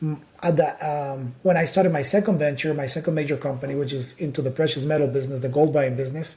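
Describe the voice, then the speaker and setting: Speaking with a Spanish accent, a man talks at a fairly quick pace. His pitch is fairly high and his intonation fairly even. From Ecuador. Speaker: entrepreneur. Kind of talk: interview.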